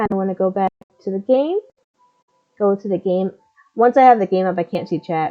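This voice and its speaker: Over music in the background, a woman with a medium pitch speaks fairly quickly, her pitch varying normally, with long, frequent pauses. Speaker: gaming streamer. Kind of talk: casual live-stream chat. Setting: live stream while gaming. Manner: anime-style speech, pitch varies with interest; rambling, halting, self-interrupting.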